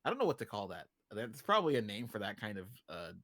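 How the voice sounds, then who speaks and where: A woman's voice: rumbling low, very animated, quick pace, fairly bright tone, dry recording, studio quality. A woman with a nasal voice, co-hosting a casual livestream and giving voice direction.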